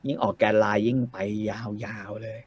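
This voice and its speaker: A man's voice: on the low side, fairly even intonation, normal speed, slightly rough, dry recording. A middle-aged man in casual chat about novels and cartoons, blunt and salty, with coarse slang.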